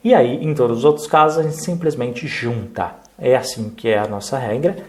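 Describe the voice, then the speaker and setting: Brazilian Portuguese man, teacher, mid-pitched voice, explanatory review lesson with frequent check-ins. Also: moderate pace.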